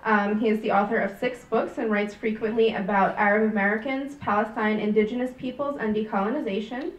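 A woman's voice: mid-range voice, steady tone, brisk, highs cut off. Hesitant young woman at a podium. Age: young adult. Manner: hesitant, many um fillers. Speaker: student club president, event host. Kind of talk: introducing a panel. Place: large lecture room at a podium. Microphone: podium mic, far camera. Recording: echoey room from far off.

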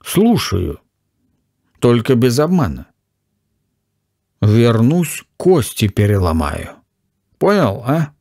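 A man's voice: mid-range voice, big pitch swings, slow pace, creaky, pauses often, warm tone, no room sound, studio quality, full character voice. A man voicing a grim young avenger who speaks curtly and with menace in an audiobook reading. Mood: threatening. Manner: curt, threatening. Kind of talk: audiobook character voice.

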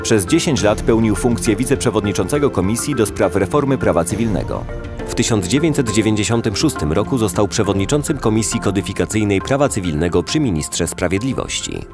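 Casting note: deep-ish male voice-over, formal, steady read, clear music bed. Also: a little fast. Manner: even, formal reading. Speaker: documentary narrator. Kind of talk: scripted narration.

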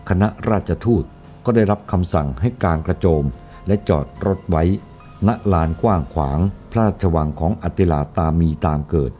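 Low, dark-toned man narrating a historical novel, steady delivery. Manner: steady, even storytelling. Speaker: audiobook narrator.

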